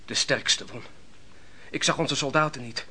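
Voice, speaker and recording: An actor playing an exhausted young shepherd turned soldier in a Dutch radio play, deferential, halting and reflective. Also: male voice, mid-range voice, bright, forceful tone, slightly rough, exaggerated voice. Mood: haunted, sombre. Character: weary young male shepherd turned soldier, honest, haunted.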